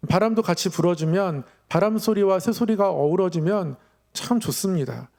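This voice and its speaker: High-pitched, creaky-voiced male pastor preaching. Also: a little mellow. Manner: measured explanatory preaching with polite sentence endings. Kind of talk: Friday evening sermon.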